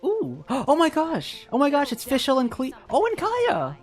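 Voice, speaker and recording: A woman's voice: high-pitched, huge pitch swings, measured pace, faint music behind. A woman livestreaming a game with casual, rambling, exclamatory commentary. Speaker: game streamer.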